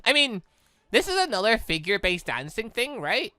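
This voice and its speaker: A man giving rambling, excitable let's play commentary on a close microphone, slipping between asides and character readings. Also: high-pitched, moderate pace, no room sound. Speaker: gaming channel host. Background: game music.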